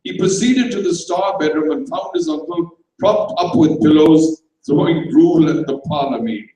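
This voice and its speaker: An older man reading a comic story aloud with theatrical flair and wry asides to his audience. His somewhat high voice sits far from the microphone and rings around a heavily echoing hall. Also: moderate pace, mellow. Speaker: stage reader. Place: stage in a large hall. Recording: echoey hall, far from mic.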